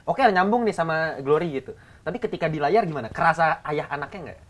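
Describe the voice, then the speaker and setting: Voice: mid-range voice, expressive, fast talker. A host of a film talk show asking curious questions and answering with short agreements. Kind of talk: casual interview.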